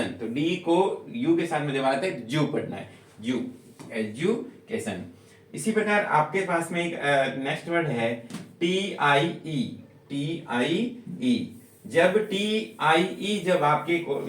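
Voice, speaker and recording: A man teaching English spelling rules to a class, repeating each rule and asking questions that he answers himself. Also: fairly high pitch. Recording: echoey room, voice from far off.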